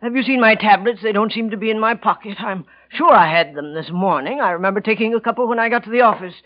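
A man's voice: high-pitched, quick pace, close to an everyday voice. A man playing a meek clerk turned killer. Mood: timid. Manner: timid and hesitant, then quietly menacing. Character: meek middle-aged office clerk turned cold killer. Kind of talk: 1940s radio acting. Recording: lo-fi old radio broadcast.

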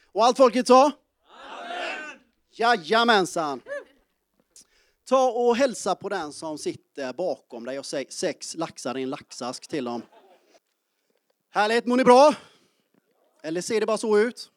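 A man's voice: high voice, pauses often, no echo. A man in his early forties preaching a sermon to a congregation, joking and calling out to the people in the pews. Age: 40s. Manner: lively, joking, calls out to the congregation. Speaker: pastor. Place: church.

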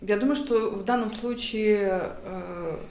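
A woman's voice: mid-range voice, takes it slowly, darkish tone. A woman talking as an academic guest, thoughtful and hesitant, with many fillers and restarts. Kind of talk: reflective interview answers. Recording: roomy echo.

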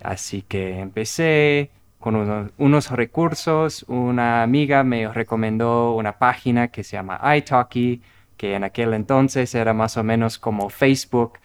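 A middle-aged man from Minnesota with an American accent, speaking Spanish as a learner in a relaxed, thoughtful way. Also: mid-range voice, clean tone. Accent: American English. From Minnesota, United States. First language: English. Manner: unhurried, thoughtful, restarts words. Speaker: guest. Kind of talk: casual conversation.

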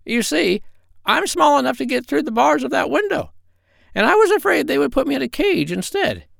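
A man voicing a small, proud, sly female parrot in a shrill, squawky voice for a storybook. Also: very animated, brisk, vocal fry, a bit bright, dry recording, clean studio sound, exaggerated voice. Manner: boastful, cunning.

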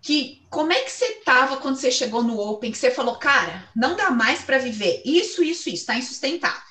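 Animated, blunt Brazilian woman. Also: high voice, a little fast, reverberant. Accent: Brazilian Portuguese. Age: 30s. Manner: blunt, swears freely, animated. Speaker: host and coach. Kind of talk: lively motivational talk.

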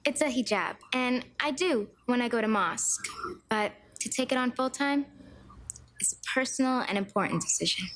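A woman's voice: on the high side, animated, moderate pace, a bit bright, a little hiss or hum. An actress playing an earnest, confessional teenage Somali Muslim girl in a school TV drama. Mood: sincere, resolute. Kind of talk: scripted TV drama acting. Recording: music under TV drama dialogue.

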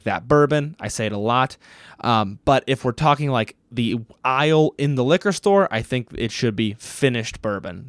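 A man's voice: medium pitch, no echo, clean studio sound. Casual man hosting a podcast. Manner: casual, chatty, thinking aloud with fillers. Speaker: podcast host. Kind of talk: solo Q&A podcast.

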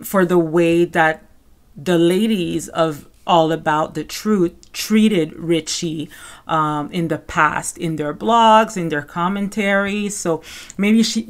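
A woman's voice: fairly low pitch, fairly bright tone. A woman with a Caribbean French accent hosting a podcast, giving casual, conversational gossip commentary. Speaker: podcast host.

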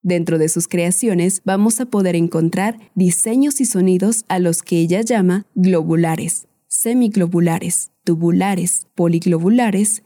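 Calm woman narrating. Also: fairly low pitch. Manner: calm, measured storytelling. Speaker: podcast host and narrator. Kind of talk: scripted documentary narration.

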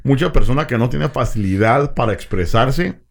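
Relaxed man. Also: mid-range voice, normal speed, vocal fry. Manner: relaxed, explanatory, hesitant fillers. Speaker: podcast co-host. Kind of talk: casual chat.

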